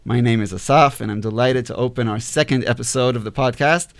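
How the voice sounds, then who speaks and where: A man hosting a panel podcast, talking in an upbeat, halting way with fillers and restarts. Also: mid-range voice, vocal fry. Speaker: podcast host.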